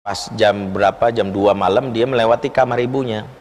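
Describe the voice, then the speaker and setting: A man's voice: fairly low pitch, normal speed. Man preaching in a reverberant hall. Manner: lively storytelling, acts out quoted voices. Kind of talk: sermon with told stories. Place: large mosque hall.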